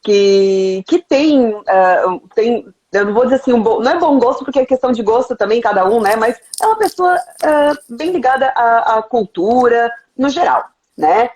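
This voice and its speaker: A woman's voice: a little high, expressive, moderate pace, darkish tone. A woman with a southern Brazilian accent hosting a casual live interview online in an informal, chatty way. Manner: informal, chatty, often laughing. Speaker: host of an online interview show. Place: remote live video call.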